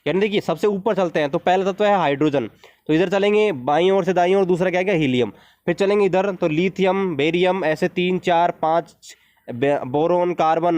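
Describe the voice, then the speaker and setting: A man's voice: sits high, a little mellow. A male teacher speaking who explains an exam-prep lesson, asks questions and answers them himself. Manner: repeats questions and answers them, often says 'dosto'.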